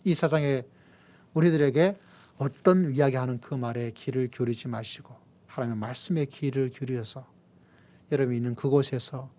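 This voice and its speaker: A man from the region, preaching a sermon and telling a playful story with emphatic, drawn-out key words. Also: medium pitch, mellow. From Gyeongsang region, Korea. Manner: playful storytelling with jokes and acted-out voices. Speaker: pastor.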